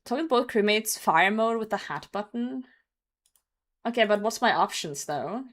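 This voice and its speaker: A woman's voice: medium pitch, animated, normal speed, a bit bright. A young woman with a mid-range voice is streaming a game while hungover. She talks casually, swears freely, and switches between answering chat and commenting on what happens in play.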